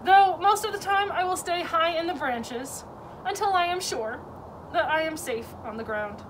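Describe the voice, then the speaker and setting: A woman's voice: extremely high pitch, lively intonation, normal speed, voice pushed up. A woman voicing a very old, cautious female monkey in a children's storybook, chattering away. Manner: chattering, shrieking. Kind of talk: children's storybook read-aloud. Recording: distant mic with clear background noise.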